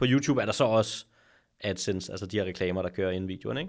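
A man at a very fast pace in a very clean recording with a silent background. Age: 30s. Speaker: TikTok content creator. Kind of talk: casual chat.

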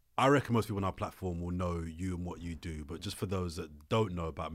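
Speaking very fast in a London accent, a man with a very deep, low pitch shows ordinary pitch variation in a very clean recording with a silent background. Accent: London multicultural English. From Brixton, South London. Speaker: podcast host, former DJ and broadcaster. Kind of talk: casual interview chat.

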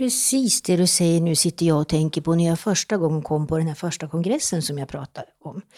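Ordinary pitch variation at a fairly quick pace in a normal speaking voice. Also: woman, fairly low pitch for a woman, dry, close sound with no echo. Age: 60s. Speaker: panelist, grandmother of a boy with hemophilia. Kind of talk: panel discussion.

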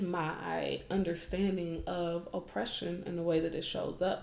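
Audible room echo surrounds a woman's voice. She speaks at a very slow pace. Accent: American. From Chicago. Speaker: activist and poet. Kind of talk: casual chat.

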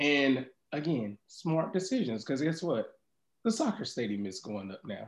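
In an American accent, a man speaks at a moderate pace in a fairly high pitch with very wide pitch swings. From Tennessee (Nashville), via Florida. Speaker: real estate agent. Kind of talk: casual interview.

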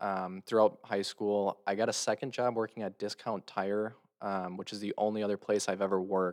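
With an American accent, a man speaks at a fairly low pitch in a dry, close sound with no echo. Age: 20s. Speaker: business owner, podcast co-host. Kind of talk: casual chat.

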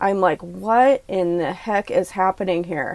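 A woman talks in a plain, everyday voice at a fairly slow pace. The sound is dry and close, with no echo. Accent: American. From North Dakota, US. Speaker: dowser and medium. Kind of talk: ghost story telling. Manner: warm, earnest.

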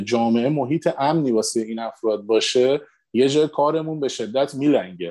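Medium pitch from a man, dark and mellow in tone. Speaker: emigrant sharing experiences. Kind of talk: casual chat.

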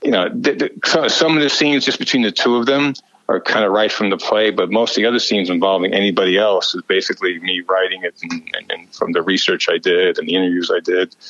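A man with a Brooklyn accent talking at a very fast pace, with noticeable background noise. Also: hardly any pauses. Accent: New York (Brooklyn). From Brooklyn, New York (Bensonhurst). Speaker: cardiologist and filmmaker. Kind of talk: casual interview chat. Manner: halting, many repeated words.

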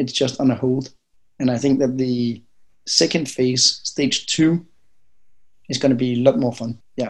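A man with a Danish accent, medium pitch and a somewhat breathy voice, fairly even intonation and long, frequent pauses. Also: fairly slow pace. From Denmark, Copenhagen. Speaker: journalist. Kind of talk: interview.

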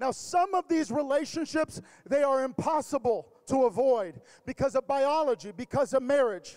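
A man with an extremely high pitch. He speaks at a moderate pace. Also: dry, close sound with no echo. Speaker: preacher. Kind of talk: sermon. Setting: church. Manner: animated; exhorting, call-and-response.

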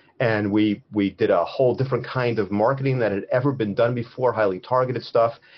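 Here is a man with a normal speaking voice. His intonation is fairly even. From US Northeast (Brooklyn, New York). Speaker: marketing consultant. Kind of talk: casual chat.

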